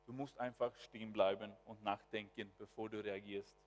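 A man preaching a sermon as pastor, swinging from quiet asides to loud exclamations. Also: on the low side, little pitch movement, moderate pace. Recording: long hall reverb.

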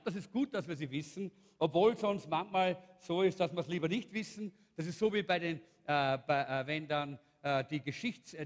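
A man, a pastor preaching a sermon and animatedly retelling a Bible story, acting out the characters. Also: high-pitched. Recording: long hall reverb.

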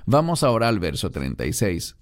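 Lively Spanish-language preacher, dry sound. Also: male voice, on the low side, brisk, dry recording. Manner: reads verses then explains them. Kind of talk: expository sermon.

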